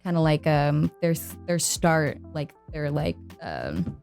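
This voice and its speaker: Female podcast guest, lowish voice, conversational and halting, faint music underneath. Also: sing-song, a little mellow. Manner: hesitant, filler-heavy, thinking aloud. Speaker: podcast guest, anime voice actor. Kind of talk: casual podcast chat.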